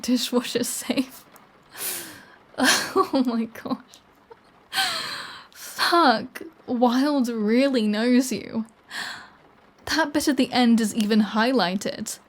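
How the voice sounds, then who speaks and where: A woman playing a flirty, playful vampire with a threatening edge, in a teasing, sardonic ASMR audio roleplay. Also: on the high side. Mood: mocking, amused. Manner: teasing, sardonic, lingering delivery. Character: flirty, playful, threatening adult female vampire toying with a hunter. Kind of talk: scripted ASMR audio roleplay, one-sided conversation.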